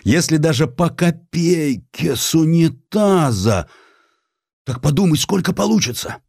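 Man acting tsarist police official, audiobook, pompous, greedy, boastful, lively intonation, dry recording. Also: fairly high pitch, measured pace, vocal fry, dry recording, pitched above the performer's own voice, full character voice. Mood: self-justifying.

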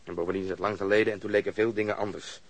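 Sceptical police detective, gruff, curt, dry close sound, radio drama. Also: male voice, on the low side, steady tone, very fast, no room sound. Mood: curt, dismissive.

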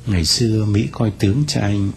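A man's voice: on the low side, steady tone, moderate pace, creaky, a little mellow. A man reading aloud voices a frail, dying man who speaks weakly and faintly. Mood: weary. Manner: weak, whispery.

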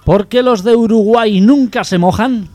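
A man co-hosting a local radio comedy show with a Catalan Spanish accent, reading out quick riddle jokes deadpan. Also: high-pitched. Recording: radio show with music clearly behind.

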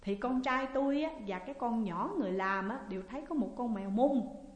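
A woman voicing a frightened, sharp-tongued middle-aged lady of the house in a story. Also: on the high side, brisk, highs cut off, natural voice. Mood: tense, curt. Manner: tense, raised and curt. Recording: long echoey reverb.

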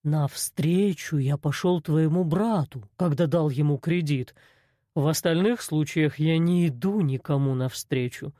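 A woman voicing a cold, menacing male loan shark boss in an audiobook, speaking slowly and mockingly. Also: sits low, dark tone, dry recording, clean studio sound. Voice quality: slow, drawling, mocking. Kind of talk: audiobook character voice.

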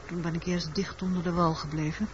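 A woman's voice: on the low side, flat delivery, fairly quick, close to an everyday voice. An actress in a Dutch radio play voicing an insistent, haunted woman who pleads in a brooding, dramatic manner. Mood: brooding recollection. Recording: dull, noisy old radio play recording.

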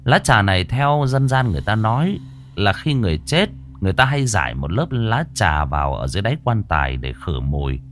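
A man narrating a horror story in a vivid, lively storytelling manner. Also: lowish voice, brisk.

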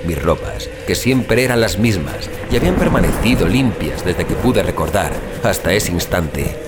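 A man's voice: sits low, very animated, moderate pace, heavy background noise. A man playing a weary, frightened explorer who recounts his ordeal in solemn, literary, suspenseful first-person audio fiction. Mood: desperate, exhausted. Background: music bed.

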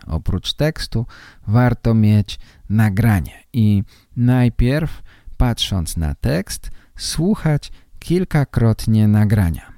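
A man teaches listeners in a slightly low, mellow voice. He speaks very slowly and deliberately, in simple phrases, and restates each key point for learners. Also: no echo, clean studio sound. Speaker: language teacher and podcast host. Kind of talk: instructional talk to learners.

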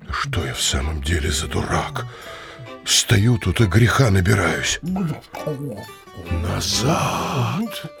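A slow, deliberate village blacksmith. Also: male voice, on the low side, gravelly, full character voice. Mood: puzzled, self-reproaching. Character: pious young village blacksmith, wary, bold and sturdy. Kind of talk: audio drama acting. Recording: music behind the voice.

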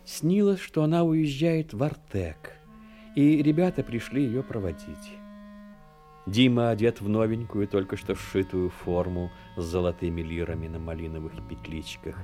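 A man narrates a dramatic story in a low, mellow voice. He takes his time, measured and expressive, over soft music.

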